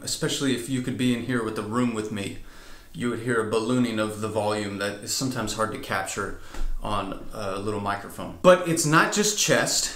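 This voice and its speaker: A man's voice: mid-range voice, pushed and bright. A male vocal coach explaining chest, mix and head voice, now and then demonstrating with sung whoops. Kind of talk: singing lesson with vocal demonstrations. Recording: roomy echo.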